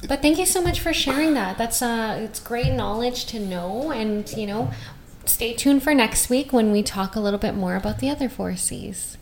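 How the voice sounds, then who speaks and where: Woman in her 20s, higher voice, supportive co-host, faint noise behind. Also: moderate pace. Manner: brief encouraging interjections. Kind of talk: casual podcast chat.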